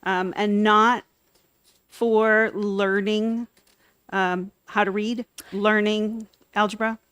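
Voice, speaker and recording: Slow, flat-voiced woman questioning a witness. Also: medium pitch, clean tone, no echo. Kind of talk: committee hearing questions.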